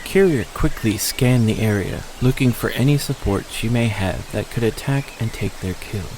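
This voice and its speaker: A man's voice: on the low side, normal speed, noisy background. A man delivering scripted, dramatic narration of a story as the narrator.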